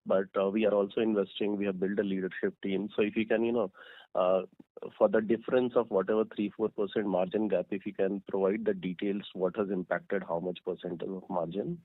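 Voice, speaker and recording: A man's voice: lowish voice, no echo. A man, an analyst caller putting questions on an earnings call. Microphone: phone line. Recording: tinny, narrow phone line.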